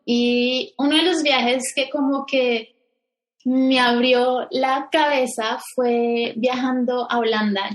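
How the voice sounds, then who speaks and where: Colombian woman, bogotá accent, kinda high voice, talks in starts and stops, guest on a podcast. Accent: Bogotá Colombian Spanish. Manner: hesitant, restarts often, animated when quoting herself. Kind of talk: casual interview storytelling.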